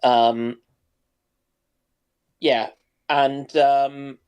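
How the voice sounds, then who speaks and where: Male panelist, medium pitch, casual and discursive, feels his way through each point. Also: flat delivery, drawn-out words, smooth, highs cut off. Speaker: panelist on a history live stream.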